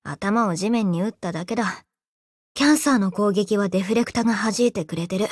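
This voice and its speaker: A woman voicing a calm boyish soldier girl. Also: mid-range voice, brisk, no room sound, clean studio sound, natural voice. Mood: steady. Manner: level, matter-of-fact, plain-spoken. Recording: faint music underneath.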